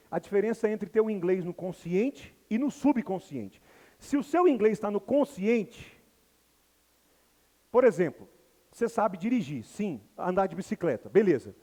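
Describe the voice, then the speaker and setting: Here a man from Brazil, high-pitched and sounding like he's in a big room, gives a spirited English lesson to a live crowd, performing the characters in the stories he tells.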